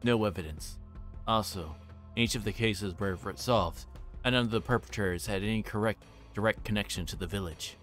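A man with a fairly low voice hosts a gaming livestream. He speaks casually and reads visual novel text aloud, with a halting delivery that stumbles now and then. Music plays faintly behind him. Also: a bit bright.

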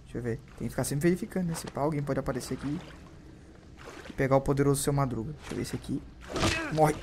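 A young man with a Brazilian accent commentating his gameplay, who swears constantly and yelps and shouts whenever he is startled. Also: medium pitch, quick pace, a little hiss or hum. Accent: Brazilian Portuguese. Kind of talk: let's play commentary.

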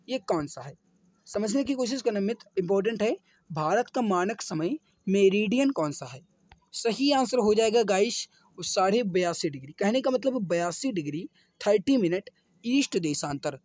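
A male exam coach speaks in a slightly hoarse voice. He explains quiz answers with frequent repetition and familiar address to his viewers. The sound is dry, with very little room in it. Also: sits high, darkish tone, no echo. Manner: repetitive, addresses viewers as dear brothers and friends. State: slightly hoarse, sore throat.

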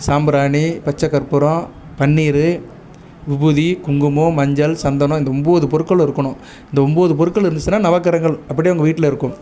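Man giving slow, careful devotional advice. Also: a little high, a little hiss or hum. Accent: Tamil. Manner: repeats "சரியா?" often, measured and instructive; chants mantras and praise lists in a steady recitation. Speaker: astrologer. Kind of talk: devotional advice talk to viewers.

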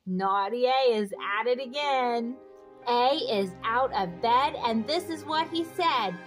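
A woman reading a picture book aloud to young children, expressive and sing-song, talking directly to her little listeners. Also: a little high, takes it slowly, soft background music.

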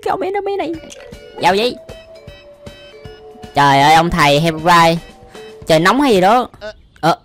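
A man's voice: high-pitched, sing-song, normal speed, long pauses, a bit bright. A young man giving casual, exclamation-filled reaction commentary as a YouTube host, often amused by what he watches. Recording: music behind the voice. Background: music.

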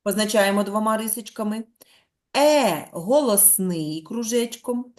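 A woman primary school teacher giving an online lesson to young children. She dictates slowly, stretches out words and sounds out letters one by one, and keeps prompting the pupils with questions. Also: mid-range voice, a little mellow. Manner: drawn-out, slow dictation, sounding out letters and syllables.

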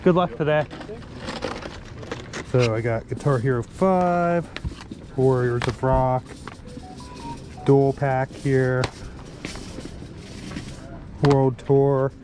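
A man's voice: medium pitch, fairly even intonation, drawn-out words, pauses often. A man bargaining casually and friendly with a seller at an outdoor flea market, recorded on a chest-worn action camera. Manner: friendly, easygoing. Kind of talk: casual haggling. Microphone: chest-mounted action camera. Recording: outdoor noise on a body camera.

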